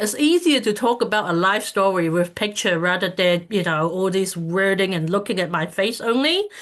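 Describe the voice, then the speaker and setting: A woman from Hong Kong giving a casual talk over a video call, hesitant and full of fillers and restarts. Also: mid-range voice. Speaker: speaker at an online community event.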